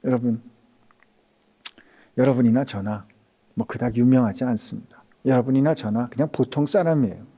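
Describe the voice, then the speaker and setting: A male pastor preaching a sermon, swinging between raised emphatic passages and hushed, whispered lines, acting out quoted speech in intimate tones. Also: mid-range voice, normal speed, pauses often, slightly rough.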